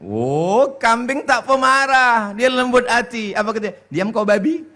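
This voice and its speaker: A man's voice: extremely high pitch, expressive, a little slow, pushed and bright. A man giving a humorous sermon as a preacher, telling jokey stories and putting on voices. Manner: jokey storytelling with mimicked voices and sung lines.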